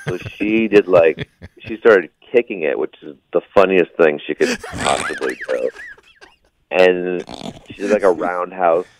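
A male stand-up comedian, appearing as a guest in a casual radio interview, tells rambling stories with dry, self-deprecating asides. His voice is low and unhurried, and there's background noise.

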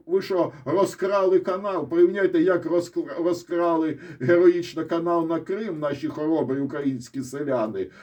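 A man's voice: a little high, mellow. Blunt sarcastic Ukrainian male commentator. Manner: blunt, sarcastic, swears freely; restarts and pointing asides. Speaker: military-political commentator. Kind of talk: casual solo commentary with map.

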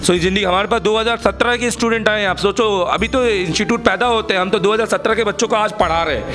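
A man's voice: sits high, fast, fairly bright tone. A man in his thirties holding a handheld mic in a busy classroom, questioning students and lecturing in a salesy promotional manner. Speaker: institute interviewer.

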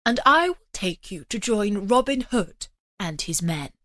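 A woman reading a storybook, voicing a humble, honourable knight in an earnest, deliberate way. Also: mid-range voice, animated, a bit bright, no room sound, clean studio sound. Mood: firm.

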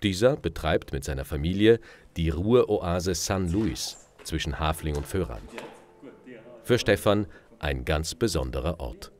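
A man reading a scripted documentary voice-over in an even, measured way. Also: sits low. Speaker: narrator. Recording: voice-over with loud music behind.

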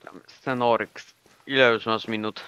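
A young man chatting casually and excitably while playing a hunting game with a friend. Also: fairly low pitch, moderate pace, clear, resonant tone, highs cut off. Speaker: gaming YouTuber. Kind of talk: casual co-op gameplay chat.

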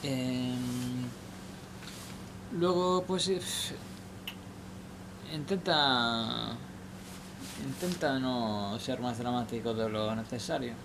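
A man's voice: mid-range voice, drawn-out words, long pauses. A young man giving casual spoken advice outdoors at night, rambling and hesitant with many restarts. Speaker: vlogger. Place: outdoors under a station shelter at night. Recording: noisy outdoor night recording.

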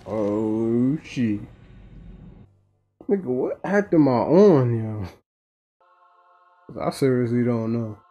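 A man's voice: mid-range voice, animated, slow pace, long pauses, warm tone, faint music behind. A man giving casual, profane and slangy commentary over a video game. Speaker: game streamer. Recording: dull muffled mic over game audio.

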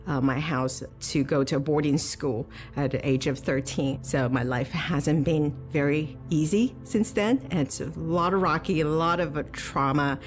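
A woman from China, in her forties, telling her life story in a studio, pausing often with fillers. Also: deep voice. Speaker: testimony speaker. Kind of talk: personal testimony. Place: bright studio. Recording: soft music underneath.

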